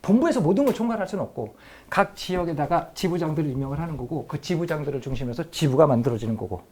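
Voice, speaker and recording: A man's voice: fairly high pitch, animated, rapid-fire, a little mellow, slightly rough. A middle-aged man giving a history lecture to teachers, repeating key phrases and asking the audience questions.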